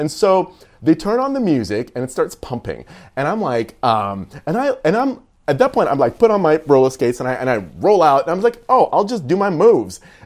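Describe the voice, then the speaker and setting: This man's voice sits fairly high in pitch. He talks at a fairly quick pace with very wide pitch swings. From Russia (Soviet Union). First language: Russian. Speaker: jazz pianist, dancer and media personality. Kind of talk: interview. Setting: remote call. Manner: animated.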